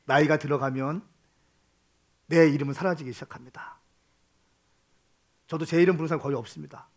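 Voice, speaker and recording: A male pastor preaching a sermon, swinging between shouts and soft hushed tones, repeating phrases and calling for amens. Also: a little high, fairly even intonation, fairly quick.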